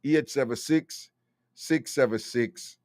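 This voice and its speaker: A man's voice: mid-range voice, slow pace, darkish tone, no room sound. A Jamaican man hosting a call-in radio talk show, opinionated and slipping into patois.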